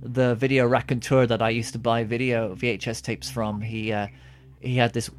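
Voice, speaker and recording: A man rambles through a casual podcast chat, doubling back on his words and padding them with ums and uhs. His pitch sits right in the middle of the male range, and his delivery stays relaxed and conversational. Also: moderate pace. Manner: rambling, many restarts and fillers. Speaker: podcast co-host.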